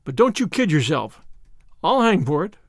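A man's voice: a little high, very animated, normal speed, no echo, studio quality. A man voicing a young American who threatens cheerfully and cockily in a drawl, in storybook dialogue. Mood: cool menace. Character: cocky, menacing young American man with revolver. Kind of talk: dramatised audiobook dialogue.

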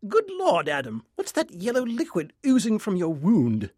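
A man's voice: sits high, wildly swooping pitch, moderate pace, a little mellow, no room sound, studio quality, full character voice. A man playing theatrical kitchen figures, rival and underling, in a melodramatic, arch audio play parody. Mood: melodramatic shock.

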